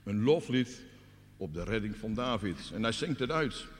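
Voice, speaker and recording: A man preaching a sermon in an earnest, dramatic way, dropping quiet and then crying out. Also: animated, normal speed, in a large hall, a little hiss or hum. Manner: earnest, dramatic, with deep quiet drops and sudden cries.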